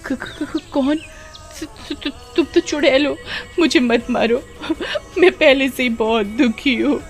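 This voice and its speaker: एक औरत बच्चों की कहानी में गांव की एक भोली जवान लड़की की आवाज़ कर रही है, जो भावुक होकर बोलती है और डरने पर हकलाती है।. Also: female voice, medium pitch, normal speed, soft background music, pitched above the performer's own voice, lightly acted. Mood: frightened. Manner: tearful, stammering when scared. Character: sad young village girl teased for her hair. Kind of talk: children's storybook voice acting.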